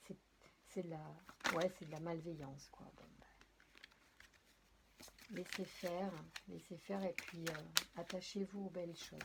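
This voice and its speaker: A woman's voice: lowish voice, noisy background. A woman doing a casual spoken tarot card reading, talking straight to her viewers, hesitant, with many fillers, restarts and apologies. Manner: addresses viewers directly. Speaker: tarot and oracle card reader.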